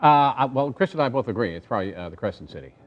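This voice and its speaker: A man's voice: mid-range voice, lively intonation, racing, dull audio. A man co-presenting on air in casual, unscripted banter.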